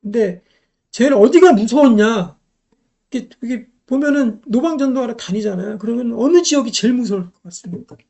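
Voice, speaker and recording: Gravelly-voiced middle-aged woman preaching. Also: fairly high pitch, animated, fairly quick, mellow. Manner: emphatic, repeats key phrases, asks the congregation rhetorical questions. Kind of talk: sermon.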